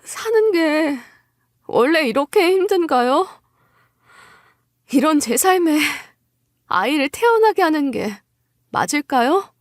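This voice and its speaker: A woman's voice: high voice, big pitch swings, slow pace, long pauses, no room sound, clean studio sound, pitched above the performer's own voice, full character voice. A woman playing a hurt, exasperated pregnant wife in a story drama, reproachful and emotional. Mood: despairing.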